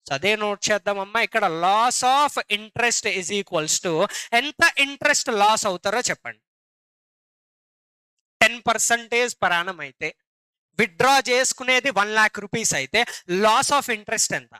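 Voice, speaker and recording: A man's voice: high-pitched, expressive, measured pace, bright, forceful tone, clear, resonant tone, dry recording, rough recording. A man with a Telugu accent teaching a classroom lecture, often repeating questions and calling on his students for answers.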